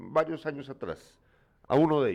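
This man talks at a moderate pace. His voice sits at a fairly high pitch. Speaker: news talk show host. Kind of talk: news commentary show.

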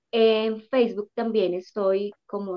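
A woman with an ordinary speaking voice, medium pitch and fairly even intonation. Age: 30s. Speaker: music teacher. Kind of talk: interview.

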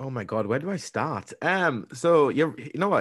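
There is a quiet background as a man speaks in an animated tone. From Trinidad and Tobago. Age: 30s. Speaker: radio presenter. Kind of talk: interview.

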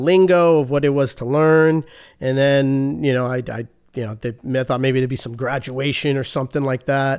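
A man's fairly high-pitched voice with a slight Boston accent, fairly quick pace and fairly even intonation, in a very clean recording with a silent background. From Boston, Massachusetts. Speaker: recovering alcoholic sharing story.

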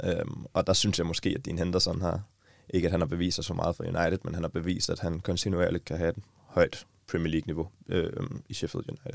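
A man with a very deep, low pitch and ordinary pitch variation speaks fairly quickly on a very clean recording with a silent background. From Denmark, Copenhagen (Østerbro). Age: 20s. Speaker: football fan guest, waiter. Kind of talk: casual chat. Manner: hesitant, many fillers.

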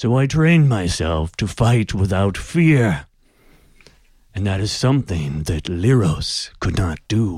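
In a very clean recording with a silent background, a man uses a put-on character voice. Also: fairly low pitch for a man, fairly slow pace. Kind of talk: fantasy villain speech. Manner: grave, formal, proud.

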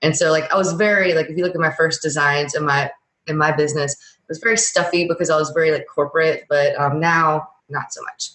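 Speaking at a fairly quick pace, a woman has a very deep, low pitch and fairly even intonation. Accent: Southern US. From US South. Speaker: branding expert and designer. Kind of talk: casual interview.

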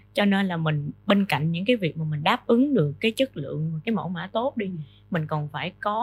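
A woman's somewhat breathy, fairly low voice at a fairly quick pace with lively intonation. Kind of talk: casual interview chat.

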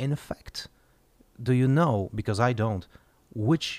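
A man at a medium pitch with ordinary pitch variation, in a very clean recording with a silent background and dry, close sound with no echo. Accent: Polish. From Poland. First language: Polish. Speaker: podcast host. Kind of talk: interview.

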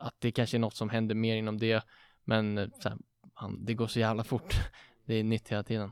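A man at medium pitch, fairly quick in pace yet broken by long, frequent pauses, with monotone, flat intonation. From Sweden, Södertälje. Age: 20s. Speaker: entrepreneur. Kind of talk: casual chat.

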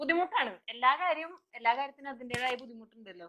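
A woman speaks in a high voice. Her pitch rises and falls in an ordinary way. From Chennai, then rural Thrissur, Kerala. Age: young. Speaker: literature student and news reader. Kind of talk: casual interview chat.

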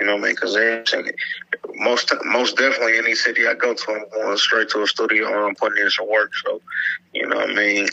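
There is noticeable background noise. Through it, a man speaks at a fairly quick pace. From Indianapolis, Indiana. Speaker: rapper. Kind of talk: phone interview. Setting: phone call.

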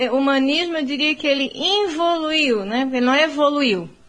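A high-pitched woman at a moderate pace, with noticeable background noise and audible room echo. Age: 30s. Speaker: history teacher and catechist. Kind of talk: casual chat; reading aloud.

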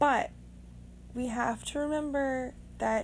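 A woman speaks at a very slow pace. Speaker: podcast host. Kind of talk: casual solo monologue. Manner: casual, filler-heavy.

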